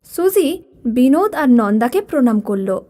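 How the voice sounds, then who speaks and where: A woman's voice: high-pitched, big pitch swings, measured pace, dark tone. A woman narrating a children's cartoon story.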